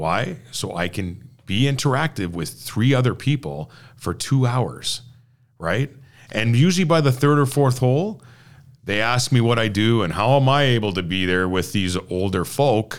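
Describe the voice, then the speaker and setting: With a Canadian accent, a man speaks in a plain, everyday voice at medium pitch and moderate pace, with lively intonation in a very clean recording and a silent background. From Canada, Mississauga (Ontario), born in Northern Ireland. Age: 40s. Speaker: real estate agent. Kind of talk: casual interview chat. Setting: office studio.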